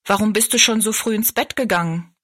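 Woman playing a bitter, overworked kitchen maid, bright but husky, storybook. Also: mid-range voice, fairly quick, voice pushed up, lightly acted. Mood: weary. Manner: tired, blunt, complaining.

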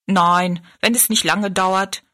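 A woman's voice: mid-range voice, steady tone, slow pace, bright, forceful tone. A woman voicing a tired, bitter young kitchen maid who speaks bluntly and complains in a storybook reading. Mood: weary.

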